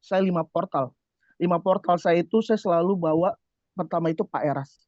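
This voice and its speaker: A man giving a preaching testimony to a congregation, telling his story in an animated way and asking the listeners rhetorical questions. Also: sits high, a little fast, no echo. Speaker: church office worker giving a testimony. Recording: dull, dry lo-fi recording.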